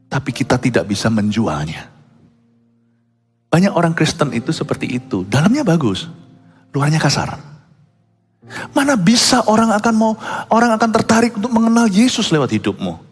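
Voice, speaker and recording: A male pastor preaching a lively sermon in a high, husky voice that swings widely in pitch. He talks conversationally and acts out little quoted voices. His voice carries a long hall reverb with faint music underneath. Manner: animated and conversational, acts out quotes, mixes in English words.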